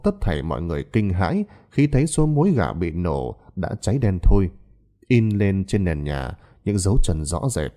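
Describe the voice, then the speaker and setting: A man narrating a horror story in a dramatic, expressive scripted style. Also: deep voice.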